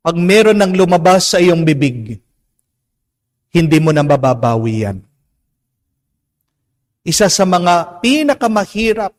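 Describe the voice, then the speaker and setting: Man, Filipino accent, priest's homily, emphatic, very slow delivery, long church echo. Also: on the high side. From Philippines. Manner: slow, emphatic preaching with drawn-out words and rhetorical questions. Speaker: Catholic priest. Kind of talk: homily mixing Tagalog and English.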